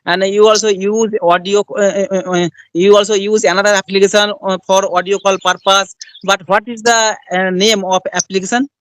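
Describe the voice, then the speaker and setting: A man's voice: sits high, flat delivery, normal speed, fairly bright tone, no room sound. A man interviewing a learner in English, politely saying "yes, yes" between her answers. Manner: polite, frequent "yes, yes" acknowledgements.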